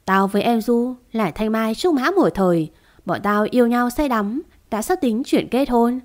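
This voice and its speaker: A woman's voice: fairly high pitch, expressive, normal speed, a little mellow, lightly acted. Storybook villain: resentful steward, harsh; woman narrator voices him lightly. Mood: accusing. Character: vengeful middle-aged steward, bitter rival.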